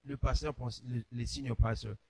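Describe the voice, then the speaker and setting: A man's voice: medium pitch, steady tone, moderate pace, creaky, crowd noise, poor audio. A man hosting a live Christian talk show, affirming guests with amens. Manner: affirming interjections, amen and hmm. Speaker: host.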